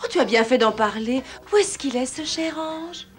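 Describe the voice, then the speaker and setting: An actress playing a sweet, kindly young heroine in a French cartoon dub, gentle and coaxing. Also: female voice, high-pitched, expressive, moderate pace, faint music behind. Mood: cheerful, puzzled.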